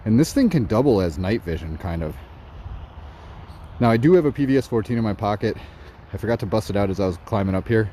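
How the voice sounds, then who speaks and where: A man reviewing gear in a casual night vlog, walking outdoors in a suburb and talking excitedly about what he sees. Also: lowish voice, fast talker, a little hiss or hum. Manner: excited, narrating while walking. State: slightly out of breath.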